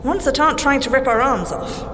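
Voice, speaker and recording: An actress playing a brisk, cheerful, sensible young female secret agent scientist with a British accent and a dry, precise, teasing manner in an audio drama. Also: high-pitched, a bit bright, a little hiss or hum. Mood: encouraging, teasing. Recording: music under the voice.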